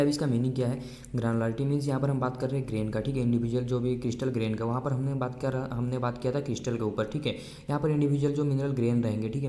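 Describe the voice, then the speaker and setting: A man's voice: mid-range voice, a little mellow. A male teacher giving an exam-prep lecture, explaining patiently, repeating key points and mixing in English terms. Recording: roomy echo.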